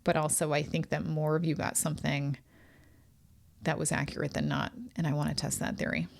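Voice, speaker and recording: A woman's voice: low voice, level tone, a little fast, vocal fry, a little hiss or hum. Eager chatty woman podcast host. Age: adult with children. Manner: earnest, eager, chatty with many ums and restarts. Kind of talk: guided remote viewing reveal, casual podcast talk.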